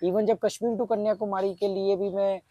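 A man's voice: sits high, level tone, normal speed, dark tone, no room sound, muffled recording. A man in his thirties with a sore throat, chatting casually to camera as a vlogger, explaining things step by step in an outdoor garden with a clip-on mic. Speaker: travel vlogger. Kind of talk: casual vlog talk to camera. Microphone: small clip-on mic on shirt.

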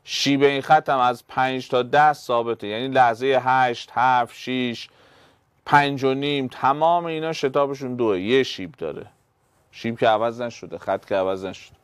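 A man's voice: mid-range voice, clean tone, no echo, studio quality. A man, a physics teacher, working through exam problems step by step and talking straight to his students. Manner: explains step by step, addresses students directly.

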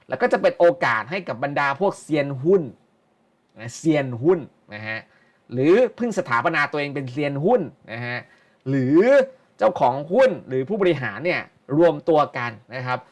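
A middle-aged man giving casual live stock market commentary, blunt and slangy, repeating phrases for emphasis. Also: fairly high pitch.

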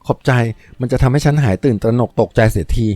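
A man's voice: quick pace, no room sound, lightly acted. A man doing a coy, teasing young woman. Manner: raised pitch, soft and coy.

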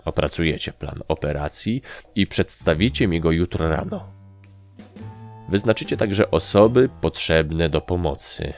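A jittery army captain drones in a deep, slow, hopelessly sad voice, as a male narrator puts him on. Soft music hums faintly underneath. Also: animated. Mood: weary.

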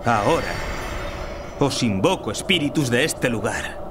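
Man acting a proud, vengeful young prince, animated. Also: medium pitch, a little slow, natural voice. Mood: defiant, fervent. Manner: intense, defiant, theatrical. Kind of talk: video game character acting. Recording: noisy game cutscene audio.

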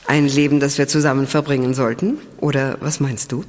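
A woman's voice: a bass voice, level tone, brisk, darkish tone. An actress playing a resolute young woman who slays monsters in a German horror radio play. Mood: tender. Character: resolute young woman, triumphant werewolf slayer. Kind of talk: German horror audio drama acting. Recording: long hall reverb.

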